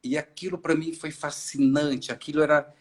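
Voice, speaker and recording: A middle-aged man from Ceará, an actor and director, telling his story in a relaxed live-stream interview, with many fillers and restarts. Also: on the high side, normal speed. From Ceará, Brazil. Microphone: video call.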